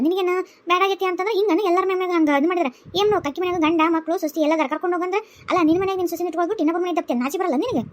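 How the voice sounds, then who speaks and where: Brief: woman with North Karnataka accent doing quarrelsome cartoon village voices, high and rapid. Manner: bickering, scolding village banter. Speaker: cartoon storyteller voicing all characters. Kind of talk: dialect comedy cartoon voicing.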